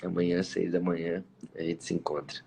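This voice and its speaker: Emotional man with a gravelly voice. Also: low voice, completely flat delivery, a little fast, slight background noise, poor audio. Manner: effusive and emotional, warmly repeating himself. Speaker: host of a Christian live stream. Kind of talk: casual live-stream farewell.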